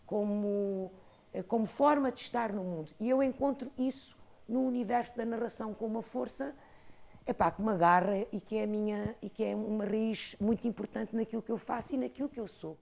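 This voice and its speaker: Algarve-accented woman in her 50s, storyteller, bit high, gravelly, rhythmic and expressive. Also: brisk. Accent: European Portuguese, Algarve. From Algarve, Portugal. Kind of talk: reflective interview talk.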